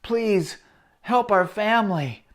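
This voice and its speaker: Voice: mid-range voice, animated, slow pace, a bit bright, pitched above the performer's own voice. Storyteller voicing a father pleading in prayer. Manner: pleading, earnest. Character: repentant father praying aloud, tearful.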